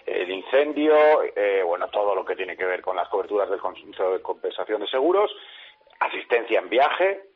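A man giving a halting, conversational motorcycle news report on the radio, often adding tag questions. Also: low-pitched, big pitch swings, breathy edge. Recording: tinny telephone line.

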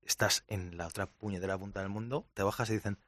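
A man with a Castilian Spanish accent talks casually as an interview guest. His speech is quick and slightly low, full of colloquial swearing, and the sound is dry. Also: fairly even intonation, a bit bright, dry recording. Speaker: musician being interviewed. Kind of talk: casual chat.

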